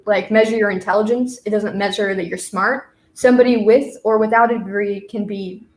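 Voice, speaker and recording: A woman's voice: mid-range voice, fairly even intonation, a little fast. Young American woman, rambling, echoey room. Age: 20s. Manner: rambling, filler-heavy storytelling. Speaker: guest, college student. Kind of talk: casual conversation. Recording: roomy echo.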